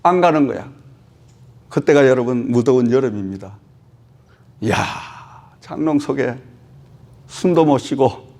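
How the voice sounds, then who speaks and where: A middle-aged male pastor preaching a sermon, telling a personal story with emotional swells and frequent rhetorical prompts to the congregation. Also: on the high side.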